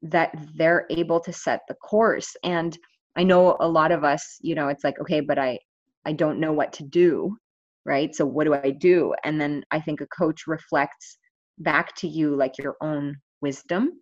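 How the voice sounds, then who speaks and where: A woman with a low voice talks through her ideas on a video call, pausing on fillers and restarting her sentences. The sound is dull and dry, like a call recorded without any room around it. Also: fairly even intonation, no room sound. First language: not Finnish. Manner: thoughtful, many fillers and restarts. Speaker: online language coach. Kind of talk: casual video call conversation.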